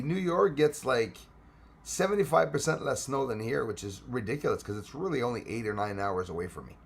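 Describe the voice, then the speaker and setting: A middle-aged man from Quebec hosts a relaxed live stream, greeting viewers and reading their comments aloud. He speaks with a Québécois French accent in a voice of ordinary male pitch, and laughs easily between remarks. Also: vocal fry, breathy edge. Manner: chatty, laughs often, switches between English and French.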